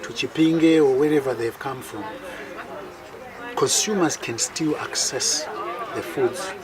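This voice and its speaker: A man's voice: mid-range voice, slow. A man gives an outdoor product demonstration, steadily listing nutrients and uses. He is picked up from a distance, and a crowd murmurs all around. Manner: explanatory, lists nutrients. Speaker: exhibitor presenting food products.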